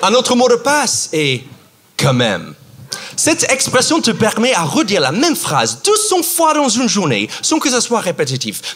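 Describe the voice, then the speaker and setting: A man with an American accent talks at a fairly slow pace and very even loudness over noticeable background noise. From New York. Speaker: stand-up comedian. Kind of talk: live stand-up comedy show.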